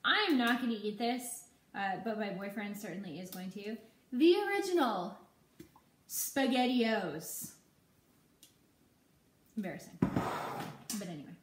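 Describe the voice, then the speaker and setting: A woman's voice: medium pitch, animated, a little slow, long pauses. A woman in her thirties, a nail technician, chatting casually and rambling with many ums in a living room, recorded on a camera mic. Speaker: nail technician and salon owner. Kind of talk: casual shopping-haul vlog. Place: living room at home, indoors. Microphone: camera mic at table distance. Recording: echoey room with clear background noise.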